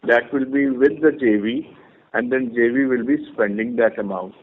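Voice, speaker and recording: A man, a company executive, explains his company's plans to analysts on an earnings call in a measured way with restarts. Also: medium pitch. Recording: tinny phone line.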